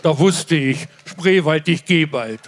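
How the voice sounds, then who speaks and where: An older man, a grandfather, reading his limericks aloud in a slow, deliberate way. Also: fairly high pitch. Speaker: limerick reader.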